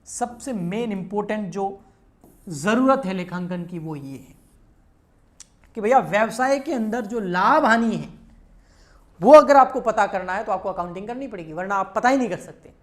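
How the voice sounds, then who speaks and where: A woman teacher delivers a recorded exam-prep accountancy lecture. She walks through each point patiently, keeps checking that her students are following, and speaks to them in a familiar, homely way. Her voice sits at an ordinary middle pitch for a woman. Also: expressive, normal speed.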